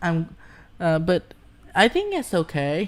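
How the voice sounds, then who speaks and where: A woman with a non-native accent and a very deep, low pitch. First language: not English. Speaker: animation rigging streamer. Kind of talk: live-streamed software tutorial. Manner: hesitant, many fillers.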